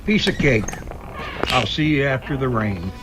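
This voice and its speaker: A man's voice: medium pitch, animated, a little slow, loud music behind the voice, lightly acted. A man playing a breezy, self-deprecating daredevil pilot in an amateur radio drama.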